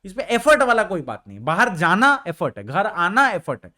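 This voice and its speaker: Young man, high voice, teacher, casual revision lecture, asks questions often. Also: huge pitch swings, normal speed, sharp tone. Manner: casual explaining, mixing Hindi and English, asks students questions.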